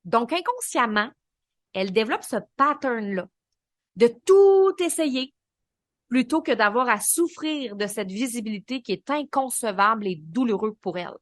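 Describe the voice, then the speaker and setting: A woman with a Québécois French accent hosting a solo podcast, coaching in a lively, colloquial way. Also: fairly high pitch, moderate pace, dry recording, clean studio sound. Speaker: podcast host and business coach.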